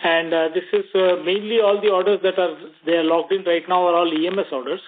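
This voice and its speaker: Indian executive on a tinny phone line. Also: male voice, high-pitched, steady tone, brisk. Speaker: company executive. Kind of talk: earnings call remarks and answers. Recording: tinny narrow phone line, faint noise.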